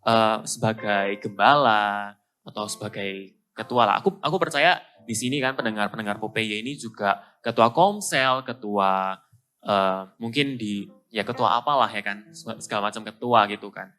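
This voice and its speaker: A young man hosting a podcast who talks in a relaxed, slangy way with many fillers as he asks his guest questions. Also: on the low side, normal speed. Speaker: podcast host. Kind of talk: casual chat.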